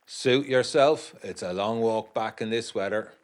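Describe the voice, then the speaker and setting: A man's voice: fairly low pitch, measured pace, voice pushed up, lightly acted. A man voicing a menacing republican tough with a terse, mocking, commanding manner, in an audio drama. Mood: gruff mocking.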